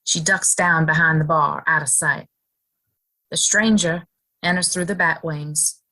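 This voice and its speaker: A woman's voice: low voice, fairly even intonation, measured pace, sharp tone, low-quality recording. A woman reading stage directions as scripted narration for an audio play.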